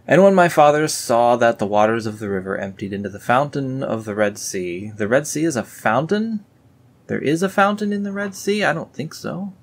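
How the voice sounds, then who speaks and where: A man reading a religious text aloud and breaking off for dry, sarcastic comments in a casual tone. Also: mid-range voice. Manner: sarcastic, dry asides after solemn read-aloud passages. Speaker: video host reading scripture aloud. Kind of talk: casual read-along with sarcastic asides.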